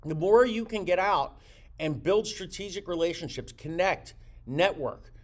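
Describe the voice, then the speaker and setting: A man's voice: high-pitched, measured pace. A man hosting a real estate coaching show, talking with energy, repeating words and using many fillers. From United States. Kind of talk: motivational teaching talk.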